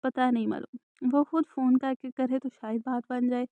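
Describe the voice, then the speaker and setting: A woman voicing a poor, calm middle-aged father in an audiobook, speaking reassuringly. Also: high-pitched, no room sound. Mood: doubtful. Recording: dry, tinny phone-like sound.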